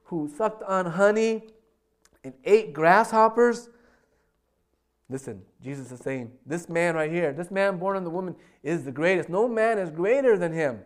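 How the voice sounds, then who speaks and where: A man preaching a sermon, telling stories with sudden loud bursts and hushed, quiet asides. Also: a little high. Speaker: pastor.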